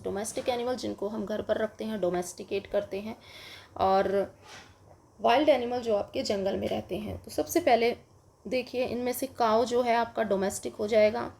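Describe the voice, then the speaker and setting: A woman's voice: mid-range voice, gravelly, a little mellow. A woman with an Indian accent teaching a children's English lesson, explaining in Hindi and asking and answering her own questions. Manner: slow, patient, addresses children, asks and answers own questions.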